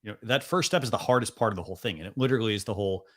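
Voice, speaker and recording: A man's voice: on the low side, very fast. A young adult man hosting a live stream over a video call, chatting loosely with lots of "like" and "you know". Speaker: host. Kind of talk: casual live stream chat.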